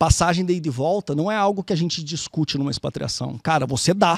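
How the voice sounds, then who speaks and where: A man talks at a fairly quick pace with ordinary pitch variation in a dry, close sound with no echo. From southern Brazil (Rio Grande do Sul). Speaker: expatriation consultant. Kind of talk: podcast interview. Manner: casual, animated.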